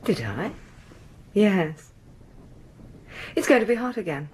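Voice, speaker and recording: An actress playing an anxious, obsessive wife in a radio horror play, intense and dramatic. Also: female voice, mid-range voice, sing-song, slow pace, a little mellow. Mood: dreamy, haunted. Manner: intense, dramatic, lapsing into whispers. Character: anxious, obsessive wife gripped by morbid fixation. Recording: noisy 1980s radio drama recording.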